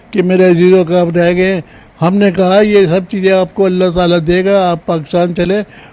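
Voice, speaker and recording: A man speaks at a high pitch with monotone, flat intonation. Noticeable background noise can be heard. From India. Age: 80s+. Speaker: partition eyewitness. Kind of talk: interview.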